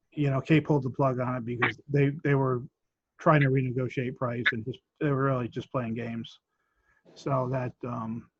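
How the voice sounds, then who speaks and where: A man who is losing his voice, clearing his throat often as he gives measured updates in a committee meeting. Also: mid-range voice, muffled recording. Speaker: land bank staff member.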